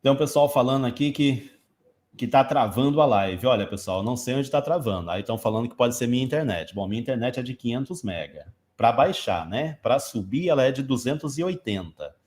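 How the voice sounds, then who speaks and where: A man's voice: medium pitch, expressive, brisk, darkish tone. Brazilian man teaching in a live Q&A. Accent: Brazilian Portuguese. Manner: explanatory, teacherly, gives everyday examples. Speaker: English teacher hosting a live Q&A. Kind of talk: casual live-stream Q&A.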